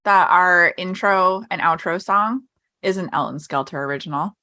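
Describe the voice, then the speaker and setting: A woman's voice: lowish voice, normal speed, sharp tone, no room sound, studio quality. A woman hosting a podcast, playful and teasing in casual chat. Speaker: podcast host.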